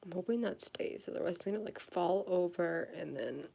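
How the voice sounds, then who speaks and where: 19 yr old girl chatting while she decorates, kinda low voice, giggly, rambly, phone on the desk. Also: moderate pace, vocal fry, mellow. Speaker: vlogger. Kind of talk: casual chat while crafting. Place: indoors at a desk.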